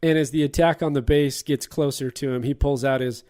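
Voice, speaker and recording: A man's voice: mid-range voice, fairly even intonation, a little fast, darkish tone. A man hosting a casual movie podcast, retelling scenes and chuckling along. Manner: laughs while retelling scenes. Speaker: podcast host.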